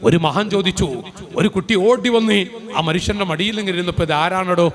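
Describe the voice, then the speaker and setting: Man, high voice, Islamic preacher, sermon, slow chanted Arabic phrases, hushed storytelling.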